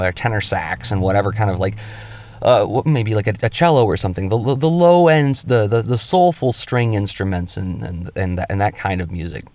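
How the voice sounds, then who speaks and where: The comics artist hosting this lettering show has a lowish voice, recorded with no room sound. He walks through an informal tutorial conversationally, thinking aloud, frequently interrupting himself, and emphasizing points by shifting his voice.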